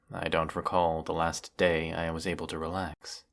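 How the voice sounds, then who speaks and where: An actor playing a weary, menacing galactic emperor in a sci-fi audio roleplay, speaking with pompous, theatrical formality. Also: male voice, fairly bright tone, full character voice. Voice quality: low, gravelly. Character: weary, menacing galactic evil emperor, secretly fond of servant. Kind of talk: scripted audio roleplay monologue.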